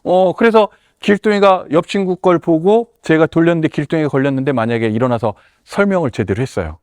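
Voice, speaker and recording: A middle-aged man, a head teacher, gives a lively workshop talk to fellow teachers and acts out classroom exchanges in different voices. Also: fairly high pitch, quick pace, dry recording.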